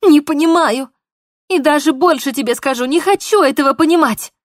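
A woman voicing a distraught young woman who is crying and shouting in a high, shrill voice. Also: normal speed, dry recording, studio quality, close to an everyday voice. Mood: defiant.

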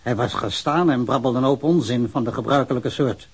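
A man's voice: medium pitch, fairly quick, breathy edge. Sardonic, tipsy witness, conversational man. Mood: wry, probing. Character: tipsy, talkative, sardonic male witness, fond of a drink. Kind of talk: naturalistic radio drama acting.

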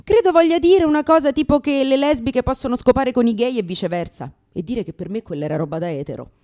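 A woman's voice: fairly high pitch, expressive, fast talker, dark tone, natural voice. A woman performing a theatrical comic monologue as a brash, neurotic lesbian comedian, sardonic, exclamatory, crude and self-mocking. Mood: wry, ironic.

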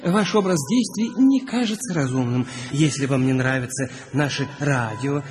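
A man's voice: medium pitch, normal speed, lightly acted. A man acting in a Russian radio drama as a polite, formal mental health doctor with an officious, reproving manner. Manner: polite, officious, hesitant when challenged. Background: music behind the voice.

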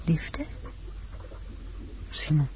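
An actress in a Dutch radio play playing a troubled, searching lover, questioning and hesitant. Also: female voice, drawn-out words, warm tone. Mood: pleading, insistent. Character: troubled, searching woman lover confronting her man. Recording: dull, noisy old radio drama recording.

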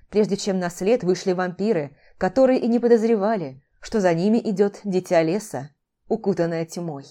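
A woman narrating a fantasy audiobook in a measured, dramatic reading. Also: lowish voice, mellow.

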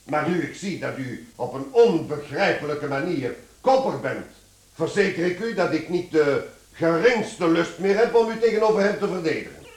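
A man's voice: a little high, lively intonation, normal speed, close to an everyday voice. Man as a pompous chief clerk, echoey room. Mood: stern, indignant. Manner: formal, pompous. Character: officious, pompous chief clerk, stern and reproachful. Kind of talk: radio play acting. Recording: echoey, slightly noisy radio drama recording.

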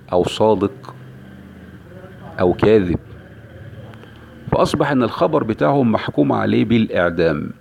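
A man's voice: fairly low pitch, gravelly, a little mellow. A male Islamic preacher giving an emphatic religious lecture, repeating key phrases for weight. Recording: dull lo-fi recording.

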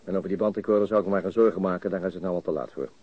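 An actor playing a calm, all-knowing police detective in a radio drama, interrogating in a terse, matter-of-fact way. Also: male voice, low voice, rapid-fire, husky, dry recording. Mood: calm, firm. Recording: dull, lo-fi radio drama recording.

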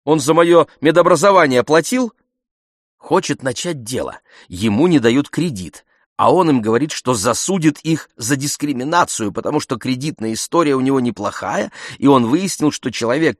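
A man's voice: medium pitch, lively intonation, moderate pace, no echo, studio quality, pitched above the performer's own voice, close to an everyday voice. A man voicing a middle-aged immigrant woman doctor from Nigeria who complains heatedly and asks one rhetorical question after another. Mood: indignant.

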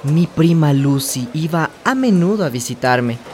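Low, slow, expressive young trans woman. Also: slight background noise. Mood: reflective narrating. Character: young trans woman telling her life story, hopeful, sensitive. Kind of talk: radio drama narration and dialogue.

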